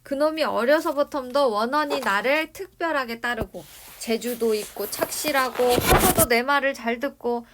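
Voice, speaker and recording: A woman's voice: high voice, moderate pace, few pauses, fairly bright tone, a little hiss or hum, pitched above the performer's own voice. A woman voicing a domineering old rich grandfather with a Jeolla accent who nags and bullies his grandsons. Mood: boastful. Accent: Jeolla dialect. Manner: nagging, bullying, scolding. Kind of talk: dramatic reading of a novel.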